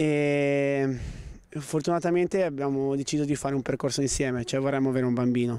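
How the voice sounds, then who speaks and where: A man speaks at a fairly quick pace with fairly even intonation, his fairly high pitch carrying a dark, mellow tone at very even loudness, in a dry sound with no echo. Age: 30s. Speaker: magician and clown with a bone disease; interviewee. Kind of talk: interview testimony. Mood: warm, grateful. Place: garden. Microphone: handheld.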